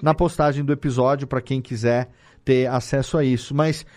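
A man's voice: medium pitch, fairly even intonation, moderate pace, a little mellow. A Brazilian man hosting a conversational podcast interview, speaking in an emphatic, colloquial way. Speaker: podcast host.

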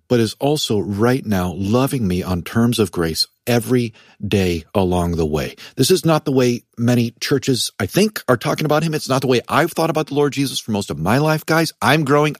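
A man who is an author and a guest on the show, speaking in a calm, reflective, gentle way. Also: mid-range voice, fairly quick, hardly any pauses, dry recording, clean studio sound. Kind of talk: studio interview.

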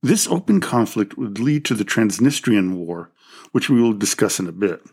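A man's voice: on the low side, expressive, moderate pace, darkish tone, husky. A man hosting a history podcast, reading a scripted narration with the odd slip and self-correction. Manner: reads from a script with small slips and self-corrections. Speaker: podcast host.

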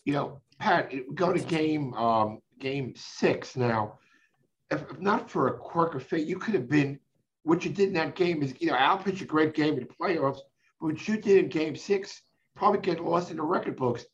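A man's voice: on the high side, normal speed. A male sports interviewer asking long rambling questions with restarts. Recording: dull lo-fi sound with faint noise.

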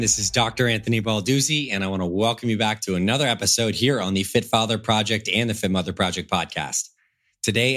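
A man hosting a podcast, upbeat and enthusiastic, his voice slightly raspy from a cold. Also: on the low side. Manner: energetic, enthusiastic, calls listener "my friend". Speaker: podcast host.

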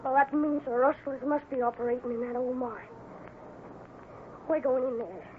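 An actor playing an eager, impatient boy cowboy hero in an old American radio adventure, excitable and urgent. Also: very high-pitched, normal speed. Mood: alarmed, impatient. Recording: noisy, narrow-band old radio recording.

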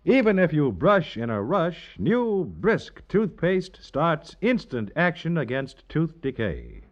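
A man's voice: a little high, wildly swooping pitch, slow. A man reading scripted copy as a 1950s radio announcer, on a muffled old recording.

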